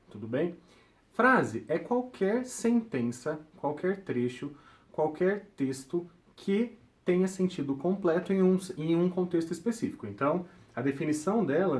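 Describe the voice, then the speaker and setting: A young man teaching a recorded grammar lesson, ending nearly every point with a quick check-in question to his students. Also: a little high. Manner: ends points with check-in tags like "tudo bem?".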